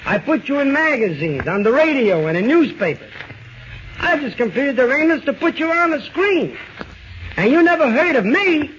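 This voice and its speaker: A man playing a blustering, easily flustered boss, excitable and indignant, in a 1940s radio comedy sketch. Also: very high voice, moderate pace, exaggerated voice. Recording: muffled, slightly noisy 1940s recording.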